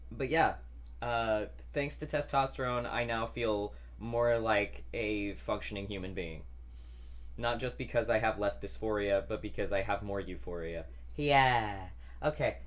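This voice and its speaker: A young trans man chatting casually in a weekly vlog, rambling and self-deprecating, with a deep voice that doesn't carry. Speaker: vlogger.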